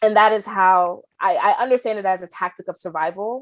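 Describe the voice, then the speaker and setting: The speaker has an American accent. The pace is moderate, and the intonation is fairly even. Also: woman. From Maryland, Baltimore. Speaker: podcast co-host, educator working with students. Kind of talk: casual podcast discussion.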